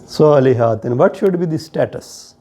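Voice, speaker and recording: A man with a South Asian accent teaching a grammar lesson in a deliberate, explanatory way, often checking with questions. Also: on the high side, animated, dark tone, faint music behind. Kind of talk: classroom lesson on Arabic grammar.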